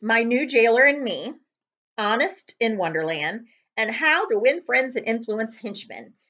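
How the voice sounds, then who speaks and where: Female children's librarian, thirties, animated read-aloud with very varied pitch, slightly dull webcam sound. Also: measured pace. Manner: expressive, dramatic storytelling. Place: living room, on a couch.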